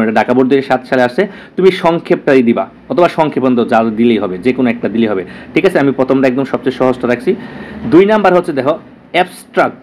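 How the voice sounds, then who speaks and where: A man teaching an exam-prep lesson, repeating key words and often asking the students "clear?". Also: medium pitch, darkish tone. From Bangladesh.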